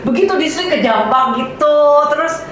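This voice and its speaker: A woman's voice: sits high, animated, moderate pace, a bit bright. A woman actress chatting casually in a promotional interview, often laughing as she talks. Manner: chatty, laughs while talking. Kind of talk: casual chat. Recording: very echoey room, faint noise.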